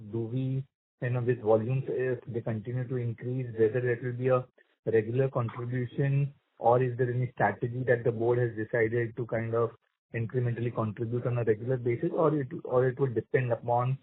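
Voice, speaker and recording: A man with an Indian accent, an analyst putting questions on a conference call, halting and often rephrasing. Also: mid-range voice, husky, dry recording. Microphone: phone. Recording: dry, narrow phone line.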